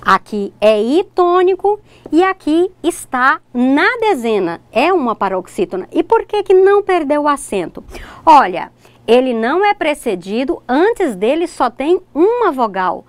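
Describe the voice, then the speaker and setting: A woman teacher leads a recorded online lesson, her fairly high voice swinging widely in pitch. She explains examples step by step and talks straight to her students, often checking that they follow. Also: very animated, measured pace, no room sound. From Brazil. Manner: addresses students directly, points at examples. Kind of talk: recorded distance-learning lesson.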